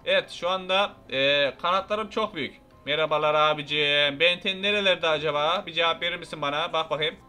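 Young man, gameplay commentary, high-pitched, bright, rowdy banter, faint music behind. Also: brisk, few pauses. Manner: rowdy, talks to viewers, mock-threatens game characters. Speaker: gameplay YouTuber.

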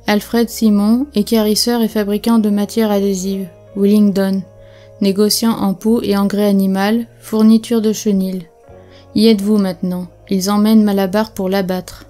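A woman's voice: mid-range voice, steady tone, moderate pace, few pauses, dark tone, soft background music, lightly acted. Woman voicing a blunt, scornful old donkey. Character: gruff old male donkey, blunt and sharp.

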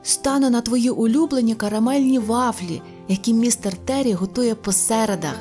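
Eager little boy for an audiobook fairy tale, high and breathless, read by a woman. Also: moderate pace, dark tone, faint music behind, lightly acted. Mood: cheerful.

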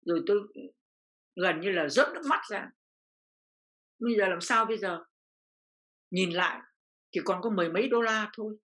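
Older woman from Vietnam, interview guest; emotional storyteller who repeats phrases, with a bright, slightly high voice. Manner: repeats phrases, voice rising with feeling.

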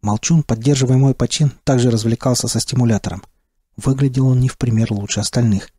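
A man narrating an audiobook in the first person with a steady, terse delivery. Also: mid-range voice, a little fast, husky, dry recording, clean studio sound.

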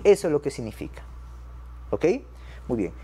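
A male medical lecturer with a mellow, warm tone and a lively, swinging delivery. He teaches an exam-prep class to doctors and keeps checking in with them as he goes. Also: medium pitch, normal speed, slight background noise. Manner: addresses the audience as doctors.

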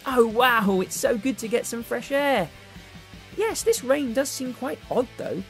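A woman's voice: on the high side, animated, a little slow, vocal fry, voice pushed up. A woman voicing an earnest, brave child superhero in an exclamatory way for a children's toy story. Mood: concerned. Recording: music behind the voice.

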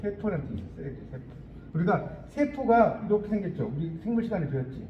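A man teaching an English class, quizzing his students and reading English phrases slowly and deliberately. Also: sits high, echoey room, muffled recording, background noise. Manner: lively, quizzing students with questions.

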